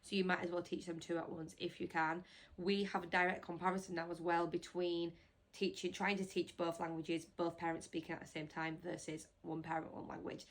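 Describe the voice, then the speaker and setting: A woman's voice: on the low side, flat delivery, fairly quick, low-quality recording. A woman chatting casually as a parent vlogger answering viewer questions, teasing and laughing easily. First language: English. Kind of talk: casual chat.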